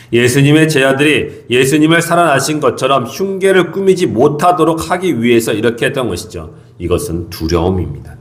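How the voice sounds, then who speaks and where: A middle-aged male pastor preaching an early morning sermon, explaining scripture earnestly and repeating his key points for emphasis. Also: mid-range voice.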